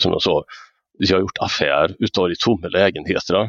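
Fairly even intonation at a moderate pace, against a quiet background. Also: man. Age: 60s. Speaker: economic historian and author. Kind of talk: panel discussion.

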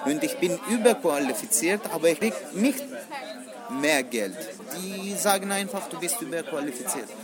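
Over crowd noise in the background and with audible room echo, a man with a Greek accent speaks at a moderate pace in a high pitch, with very wide pitch swings and long, frequent pauses. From Greece, Crete. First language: Greek (speaking German). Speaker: sports teacher. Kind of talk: interview. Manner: halting.

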